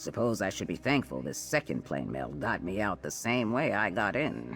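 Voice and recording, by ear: Over clear music in the background, a man uses a put-on character voice that is raspy and guttural, very deep and low, with very wide pitch swings at a moderate pace.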